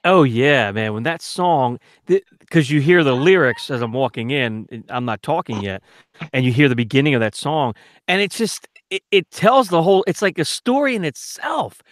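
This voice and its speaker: A man's voice: a little high, normal speed, no room sound. A man, a voice actor guest, talking enthusiastically on a podcast. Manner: enthusiastic, animated when recalling scenes. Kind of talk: casual podcast discussion.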